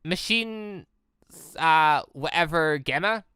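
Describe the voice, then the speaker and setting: Let's play host, lively pitch, bright and dry sound, reading game dialogue with casual, excitable asides and stumbles. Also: takes it slowly, smooth, no echo. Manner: stumbles over read text and breaks off into excited reactions. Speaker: gaming channel host reading a visual novel aloud.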